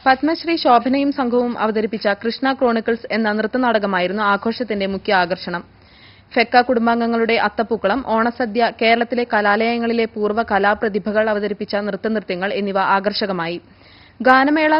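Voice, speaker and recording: A woman reads scripted news in a formal, measured manner. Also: a little high. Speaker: news reader. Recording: dull, lo-fi broadcast audio.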